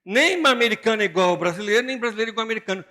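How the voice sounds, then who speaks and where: An older man, a pastor with a Brazilian Portuguese accent, preaching an animated, joking sermon and mimicking other people's voices. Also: high-pitched, racing.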